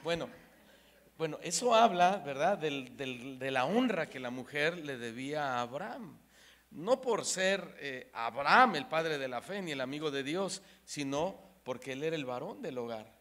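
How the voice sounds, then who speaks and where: A man from Mexico preaching a sermon, swinging between loud emphasis and hushed asides and acting out the voices in his stories. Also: on the high side, lively intonation, measured pace.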